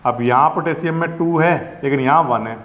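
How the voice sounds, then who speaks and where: A man's voice: a little high, normal speed. A man teaching a chemistry lesson, patiently walking students through each step and often checking they follow. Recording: roomy, dull lo-fi sound.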